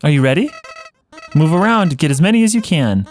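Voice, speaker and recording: A man's voice: on the high side, big pitch swings, a little fast, faint music behind. A man voicing a fake-friendly, sinister little game creature with a wheedling, taunting manner. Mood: falsely sweet. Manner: wheedling, taunting, mock-sweet. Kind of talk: game dialogue read-along.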